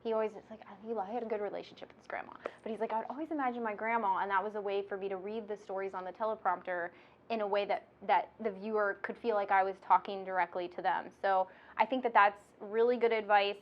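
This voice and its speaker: Frequent laughter marks this casual instructional chat from a podcast host and instructor, a woman whose nasal voice is bubbly and chatty. She talks fast at medium pitch in a steady tone, over dull audio.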